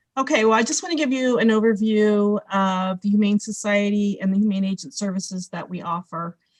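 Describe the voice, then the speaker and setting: A woman speaks at a fairly quick pace with hardly any pauses, her medium-pitched voice somewhat breathy and showing ordinary pitch variation. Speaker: nonprofit executive director. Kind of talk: presentation. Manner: fast.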